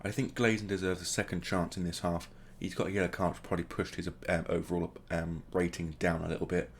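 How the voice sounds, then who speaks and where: A man's voice: low voice, little pitch movement, a little fast, a little hiss or hum. A man hosting a gaming video, casually commentating the play as it happens and adding joking asides. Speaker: gaming channel host.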